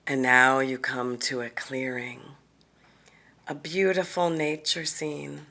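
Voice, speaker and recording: A woman leading a guided visualization, speaking gently and deliberately with long pauses and some softly breathed phrases. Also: extremely low pitch, level tone. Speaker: guided meditation leader. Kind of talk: guided visualization, soothing meditation narration.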